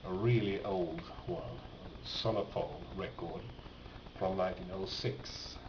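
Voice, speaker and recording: An unhurried man with a low-sitting voice gives a casual presentation of records he's found. He thinks aloud with no script, hesitating and rambling along the way. Made at home, the recording is distant, roomy, muffled and noisy.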